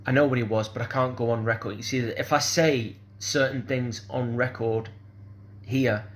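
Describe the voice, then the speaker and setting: At a normal speed and in a steady, mid-range voice, a man wanders through a hesitant monologue. Fillers pile up, "kind of sort of" recurs again and again, and he frequently restarts his thoughts.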